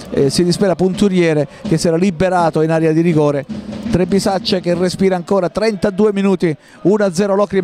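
A man giving live football play-by-play in clipped running phrases, with pauses between them. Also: sits high, dark tone. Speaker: football match commentator.

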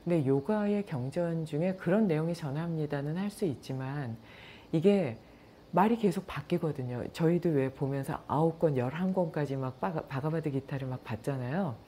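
A middle-aged yoga teacher talks to her viewers in a low, warm voice. She tells stories calmly and acts out what people said. A faint noise sits under the recording. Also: moderate pace. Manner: anecdotal, calm, with acted-out quotes. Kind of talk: casual talk to viewers.

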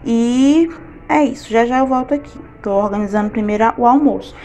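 A woman's voice: on the high side, a little fast, mellow, soft background music. A woman, chatting casually on a phone camera while unpacking groceries in her home kitchen. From Fortaleza, Brazil. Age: 20s. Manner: chatty, listing items as she unpacks. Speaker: family vlogger. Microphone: handheld phone camera. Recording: noisy home with washing machine.

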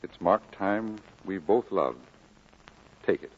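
An actor playing a solemn, declamatory preacher full of grief and conviction, in mid-century radio drama style. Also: male voice, deep voice, lively intonation, takes it slowly, full character voice. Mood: tender, sorrowful. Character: impassioned, grieving preacher leaving his valley, firm and commanding. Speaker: minister. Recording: muffled old radio recording.

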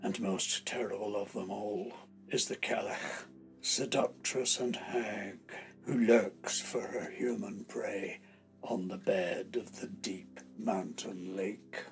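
An actor with a Northern Irish accent playing a brooding teller of dark fairy lore in an audio drama, deliberate and ominous, with music behind. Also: male voice, fairly low pitch, steady tone. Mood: ominous, wry. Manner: deliberate, ominous, dropping to a whisper. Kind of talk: literary audio drama narration. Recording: music under the voice.

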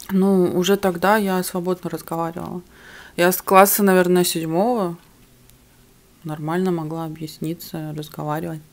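A young woman with a slightly low voice talks candidly to a camera on the table in front of her, pausing between bites of food. Her first language is not Russian. She sounds relaxed and at home in her living room. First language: other than Russian. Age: young adult. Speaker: mukbang vlogger. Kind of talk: casual chat to camera while eating.

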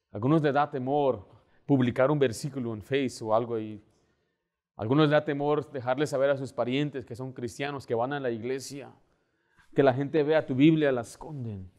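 A middle-aged man preaching a sermon as pastor, animated, acting out little scenes as he talks. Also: fairly high pitch. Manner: animated, acts out door-knocking scenes.

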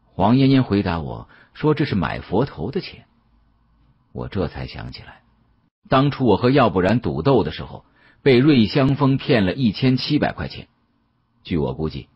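A male audiobook narrator tells a mystery in the first person. His voice is deep and very raspy, with lively, dramatic intonation. The recording is slightly dull.

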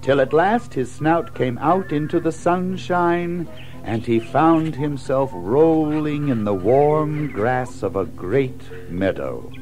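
A male narrator reads a storybook with theatrical relish. His fairly high voice moves freely up and down at a slow pace, lingering on lists and alliteration. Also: lively intonation, a little mellow, soft background music. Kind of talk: expressive scripted storybook narration.

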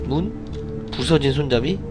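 A man's voice: mid-range voice, lively intonation, loud music behind the voice. A man streaming a game, joking and translating the dialogue as it plays. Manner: joking, muttering, fast running translation. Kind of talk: live gameplay commentary, translating dialogue.

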